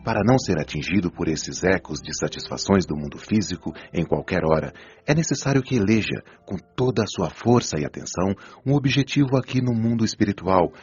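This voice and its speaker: An actor with a Brazilian accent playing a wise, patient spirit doctor who counsels souls in a measured, admonishing way in an audio drama. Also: male voice, low voice, expressive, breathy edge, heavily acted. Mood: instructive. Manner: didactic, measured, gently admonishing. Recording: dull lo-fi audio, music behind.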